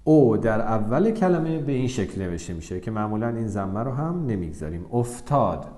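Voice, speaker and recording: A man teaching the Persian script in a video lesson, dictating words slowly and drawing them out between quicker instructions. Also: on the low side, very animated, dark tone. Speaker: language teacher. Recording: roomy echo.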